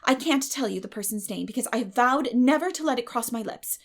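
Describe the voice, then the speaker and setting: Woman voicing a gushing, high-pitched dreamy schoolgirl. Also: lively intonation, brisk. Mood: rapturous. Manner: effusive, earnest, theatrical. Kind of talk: dramatic audiobook character voice.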